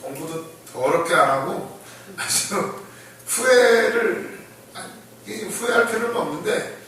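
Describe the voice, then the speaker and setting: A man preaching a conversational sermon to a congregation, acting out the blind men's shouting and laughing often as he tells the story. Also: sits high, animated, measured pace, a little hiss or hum. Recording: echoey room, voice from far off the mic.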